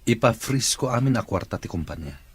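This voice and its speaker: A man with an Ilocano accent and a husky voice playing a stern, decisive boss in an audio drama. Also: fairly low pitch, animated, brisk. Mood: resolute.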